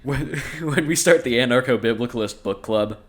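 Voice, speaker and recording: A podcast co-host with a medium-pitched male voice reads scripture aloud at a moderate pace. He keeps breaking off into crude jokes and laughs often.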